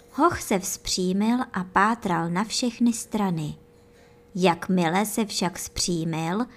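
Speaking straight to the little ones listening, a woman reads a children's bedtime story in a soft, animated way. Her voice sits at a medium pitch.

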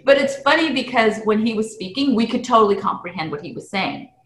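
A woman hosting an interview, asking curious questions in a casual, animated way and laughing easily. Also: on the high side, a little fast. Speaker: interviewer, host. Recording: echoey room.

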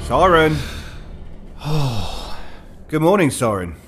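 Droll fantasy shopkeeper played by a male actor, lighter higher voice, arch and courteous, horror audio drama, music underneath. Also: very animated, takes it slowly, fairly bright tone, full character voice. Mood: soft, ominous. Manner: polite, wry, arch phrasing.

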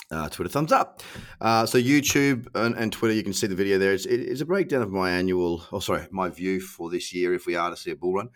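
A middle-aged Australian man hosts his podcast alone in a loose, slangy, self-mocking way. His voice is on the low side and comes out nasal and stuffy from a cold. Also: fairly bright tone. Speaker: podcast host. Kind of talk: casual solo podcast.

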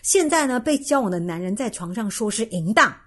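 This is a woman co-hosting a podcast, talking casually. She speaks at a quick clip in a slightly husky voice, animated as she acts out the lines she quotes. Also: a little high. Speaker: podcast co-host. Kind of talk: casual chat.

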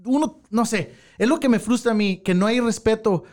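A man's voice: high-pitched, normal speed, darkish tone. A man vents in casual, slangy chat. He talks about what frustrates him. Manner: venting, slangy.

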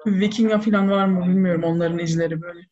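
A woman's voice: lowish voice, steady tone, fast, mellow. Casual conversational woman, mixes in phrases, slightly lo-fi sound. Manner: mixes in German words and phrases. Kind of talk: casual chat.

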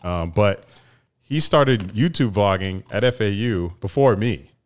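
A man's voice: fairly low pitch, lively intonation, a little slow. A young adult man co-hosting a casual podcast, talking informally with slang and some swearing. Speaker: podcast co-host.

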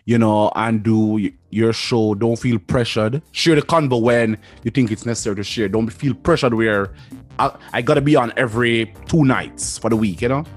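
A man's voice: mid-range voice, normal speed, faint music behind. A man who is a chef hosting a podcast, encouraging his guest and often saying "yeah.". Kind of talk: casual interview chat.

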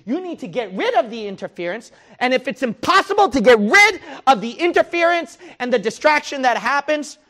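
Guy preaching hard, high voice, keeps throwing questions at the crowd and mimicking their excuses. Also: a bit bright. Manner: emphatic, confrontational preaching with rhetorical questions; acts out imagined excuses in quoted voices. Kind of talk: sermon.

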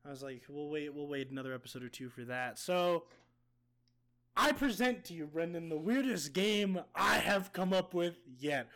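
A young man co-hosts a casual podcast and runs a silly quiz game. He jokes constantly in a goofy way and slips into a game-show announcer voice. His voice sits high and swings widely in pitch. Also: lively intonation, moderate pace, a bit bright. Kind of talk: casual chat.

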